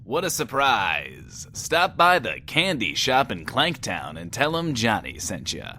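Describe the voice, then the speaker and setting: An actor playing a smooth-talking, self-satisfied radio DJ in an audio drama, delivering cocky, drawling patter. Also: male voice, on the low side, huge pitch swings, unhurried, pushed and bright, faint music behind, full character voice. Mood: smug, dry. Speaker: radio host.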